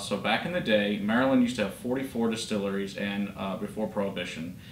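A man talks at a fairly quick pace with ordinary pitch variation. Audible room echo and light background noise fill the recording. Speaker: whiskey review host. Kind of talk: review commentary. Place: home room. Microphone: camera far.

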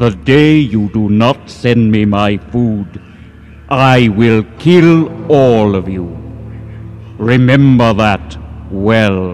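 Putting on a character voice at medium pitch, a man speaks at a very slow pace with long, frequent pauses over clear background noise. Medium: read story. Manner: menacing.

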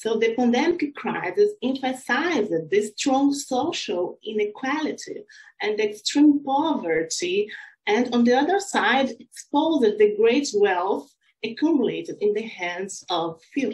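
The speaker has a Portuguese accent and talks at a fairly slow pace, with very wide pitch swings. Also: woman, high pitch for a woman. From Brazil. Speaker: government attorney; conference panelist. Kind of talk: lecture. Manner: halting. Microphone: video call.

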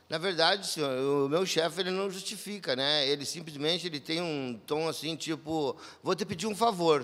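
A man's fairly high voice at a moderate pace, with ordinary pitch variation and hardly any pauses. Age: 50s. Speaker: municipal employee, witness; witness. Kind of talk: testimony. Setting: city council inquiry hearing. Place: hall. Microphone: podium.

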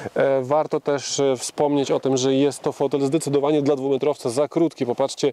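A man with a monotone, flat intonation at a moderate pace, very even loudness, hardly any pauses and a dry sound with no echo. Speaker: car reviewer. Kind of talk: review commentary. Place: car.

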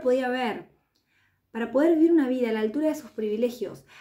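A woman with a high pitch and ordinary pitch variation speaks over a quiet background. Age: 30s. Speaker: life coach. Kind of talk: promotional monologue. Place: home room.

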